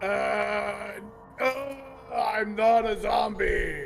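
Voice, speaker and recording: A man speaks in a put-on character voice. Clear background noise runs behind him. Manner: groaning, shambling.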